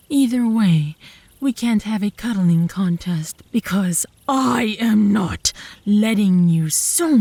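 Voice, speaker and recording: A woman's voice: mid-range voice, mellow, husky, no room sound. A woman playing a cocky, possessive young female werewolf who taunts her rival smugly in a comedic ASMR roleplay. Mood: flustered, possessive. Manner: smug, taunting.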